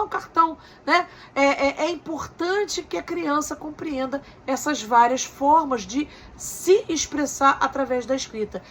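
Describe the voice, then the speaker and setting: A woman's voice: sits high, fairly bright tone, slight background noise. A woman giving a recorded lecture as a teacher, explaining step by step with frequent tag questions and rhetorical questions.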